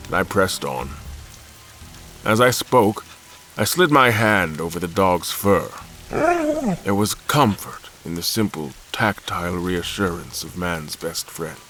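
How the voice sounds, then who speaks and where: Exhausted polite admiral, deep voice, formal measured delivery, audio drama narration, soft music bed. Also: male voice. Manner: formal, measured, world-weary. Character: weary polite male admiral narrating his haunting ordeal. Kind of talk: first-person audio drama narration with dialogue.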